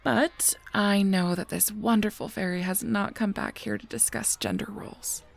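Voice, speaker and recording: Woman acting as female guardian angel, breathy, gravelly fry, measured, motherly, knowing, wry, fantasy audio roleplay. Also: medium pitch, steady tone. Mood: tender, wistful.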